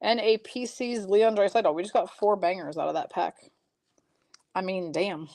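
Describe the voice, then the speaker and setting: A woman's voice: medium pitch, steady tone, gravelly, dark tone, dry recording. A woman hosting a live trading card break in a chatty, upbeat way, rattling off players and teams. Her voice is slightly froggy. The sound is dry and close, with no room around it. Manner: chatty, quick rundown of card names and teams. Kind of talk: live-streamed card break, casual chat.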